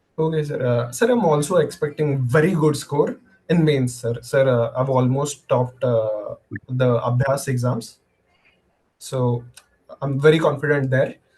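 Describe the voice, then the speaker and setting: Somewhat breathy, a man speaks at a fairly slow pace and fairly high pitch with ordinary pitch variation. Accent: Indian. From Maharashtra, India (Latur). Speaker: civil services candidate. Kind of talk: interview feedback. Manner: hesitant.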